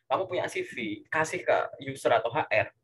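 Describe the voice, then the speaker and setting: A man giving casual career coaching, animated and full of rhetorical questions and filler tags. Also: medium pitch, brisk, husky.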